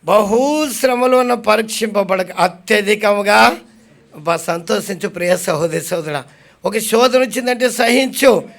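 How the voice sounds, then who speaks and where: A man from India preaching a sermon who keeps asking his congregation questions and answering them himself, and who slows down to read scripture aloud. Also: extremely high pitch, gravelly, fairly bright tone.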